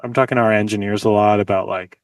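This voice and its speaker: A man's voice: on the low side, steady tone, fast. A man from the US, a guest musician talking casually over a video call and filling his sentences with "like". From Los Angeles, United States. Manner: chatty, leans heavily on "like" fillers. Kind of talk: casual interview chat. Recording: dry, slightly distant mic.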